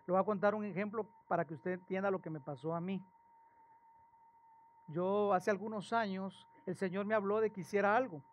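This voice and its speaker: A man's voice: sits high, normal speed, lo-fi sound. Pastor guy preaching, tells stories, acts out the quotes, keeps asking the crowd stuff. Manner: animated storytelling with acted quotes and questions to the congregation. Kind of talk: sermon.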